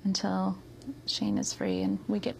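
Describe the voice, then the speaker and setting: Soft-spoken gravelly woman. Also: mid-range voice, big pitch swings, measured pace, a little hiss or hum. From United States. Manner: hesitant, with many ums and soft laughs. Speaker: interview guest. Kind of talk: soft-spoken interview answers.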